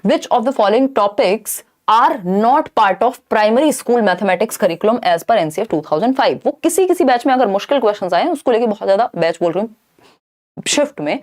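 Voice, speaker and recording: A woman's voice: a little high, a little mellow. Indian woman teaching an exam-prep lecture. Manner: explains in Hindi mixed with English terms, asks and answers own questions.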